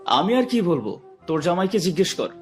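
A man's voice: sits high, big pitch swings, fairly quick, music in the background. A man playing a young groom, embarrassed and irritated, pushing back against his teasing brother-in-law. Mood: exasperated. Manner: defensive, exasperated.

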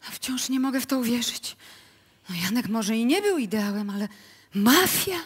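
A mayor's widow who cannot believe what she hears, in a radio drama. The voice is husky and rather high, with very animated intonation. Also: moderate pace. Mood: shaken disbelief. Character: distressed, disbelieving widow of a small-town mayor. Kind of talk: live radio drama acting in Polish. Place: radio music studio, performed live before an audience.

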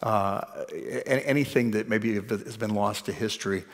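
A man's voice: fairly low pitch, a little slow, creaky. Male pastor, 40s, conversational sermon with wry asides, long church reverb. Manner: conversational, jokey asides to the congregation. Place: church stage before a congregation.

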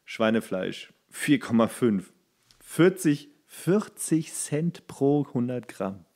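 A man in his thirties co-hosting a relaxed podcast, his voice sitting in an ordinary middle register. He laughs easily, trips over words and corrects himself as he reads aloud, and he keeps the banter rolling. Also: mid-range voice, takes it slowly. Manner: chatty, laughs often, stumbles and self-corrects while reading aloud. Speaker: podcast co-host. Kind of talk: casual chat.

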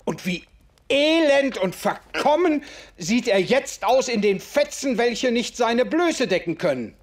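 A fervent, high-voiced writer. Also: male voice, big pitch swings, measured pace, full character voice. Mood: mournful. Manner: declamatory, old-fashioned formal speech. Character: impassioned male writer defending the oppressed. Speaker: author figure in conversation. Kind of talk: German radio play acting.

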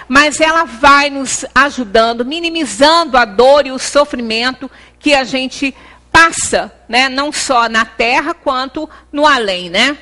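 Recorded by a camera across an indoor meeting room, a spiritist-center lecturer delivers a devotional talk to a small group. She's a middle-aged Brazilian woman with a high, bright voice and a Brazilian Portuguese accent, speaking earnestly and gesturing, with many pauses and restarted phrases.

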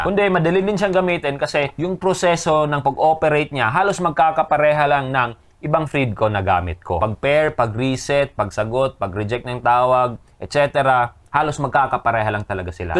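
A man's voice: mid-range voice, a bit bright. A Filipino man giving a casual, scripted voice-over as a motorcycle gear reviewer.

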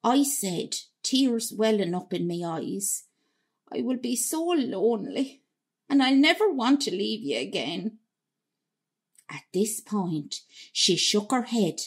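A woman's voice: medium pitch, a little mellow, slightly rough, exaggerated voice. An actress playing a wistful Irish emigrant woman, telling her memories in a reflective radio drama monologue with an Irish accent. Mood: tender, sad. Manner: reflective, unhurried storytelling. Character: wistful Irish emigrant woman recalling leaving home at seventeen.

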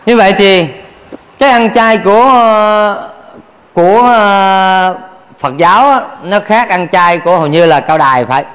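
High-voiced monk preaching. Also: male voice, a little slow, fairly bright tone, in a large hall. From Vietnam. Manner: playful, asks the audience questions, laughs often. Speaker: Buddhist monk teacher. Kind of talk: dharma talk sermon.

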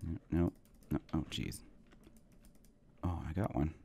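In casual Minecraft let's play commentary, a man in his thirties who runs a gaming channel rambles to viewers, mocking himself while sick and growing hoarse. He has a bass voice, warm with vocal fry and a breathy edge, and takes things slowly.

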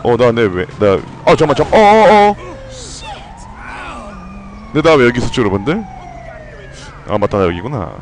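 A young man giving loud, excitable commentary while playing a video game, swearing and shouting at what happens on screen. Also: mid-range voice, moderate pace, pauses often, faint music behind, low-quality recording. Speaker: gameplay streamer.

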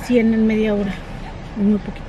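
A woman's voice: mid-range voice, flat delivery, normal speed, highs cut off. A woman in her thirties chatting to her viewers from the driver's seat as she runs errands. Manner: chatty, switches into English with staff and kids. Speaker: vlogger. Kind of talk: casual chat to camera while driving. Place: inside a car, in a drive-through and parking lot. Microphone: camera mounted on the dashboard. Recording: car interior with clear road noise.

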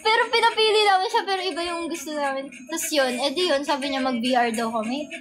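A woman's voice: very high-pitched, steady tone, fast, a crowd in the background. A young woman hosting a casual livestream, telling a story in a chatty way and giggling often. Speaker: livestream host. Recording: music playing in the background. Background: background music.

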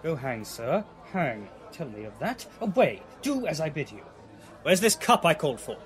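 An actor playing a proud, hearty Roman commander in a Shakespearean audio drama, declaiming with authority. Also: male voice, on the high side, very animated, moderate pace, faint music behind. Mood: irritated.

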